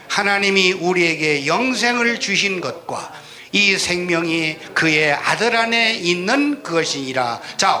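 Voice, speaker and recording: A male pastor from Chungcheong teaching a Bible class, leading the class in repeating lines after him and swinging from quiet asides to shouted declarations. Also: high-pitched. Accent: Chungcheong Korean. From Chungcheong, Korea. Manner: leads call-and-response reading, swings from soft to shouting. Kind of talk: sermon-style Bible class.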